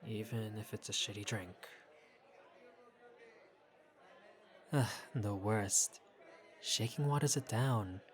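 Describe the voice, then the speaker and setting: A man's voice: fairly low pitch, lightly acted. A man playing a flirty, easygoing bartender who teases and chats with a patron in an audio roleplay. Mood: playful, exasperated. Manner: playful, teasing, casual. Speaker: bartender character. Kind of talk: intimate audio roleplay, conversational acting.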